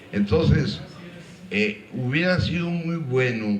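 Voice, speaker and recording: The speech moves at a very slow pace. There is audible echo from the room. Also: man. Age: 60s. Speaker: audience member. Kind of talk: audience question at public talk. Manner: halting, repetitive.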